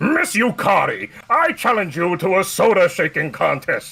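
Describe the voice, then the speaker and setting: Putting on a character voice, a man speaks high for a man at a moderate pace. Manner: challenging, loud.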